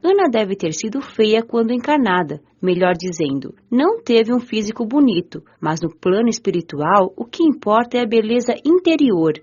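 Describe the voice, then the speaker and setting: A woman's voice: fairly high pitch, big pitch swings, moderate pace, hardly any pauses, a little mellow, slightly rough. A woman with a Brazilian accent reading scripted first-person narration for an audiobook. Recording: muffled lo-fi audio with music.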